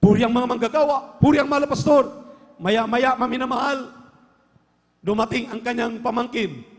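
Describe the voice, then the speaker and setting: A man preaching a fervent sermon in a large church, sprinkling his words with hallelujahs and swinging between hushed tones and shouts. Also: extremely high pitch, fairly even intonation, moderate pace. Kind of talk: Pentecostal-style sermon. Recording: long hall reverb from a church live stream.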